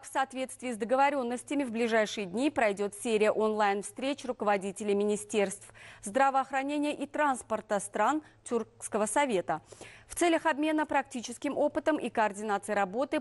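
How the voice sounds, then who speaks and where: A woman news reader delivering formal scripted news in an official, measured manner. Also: on the high side.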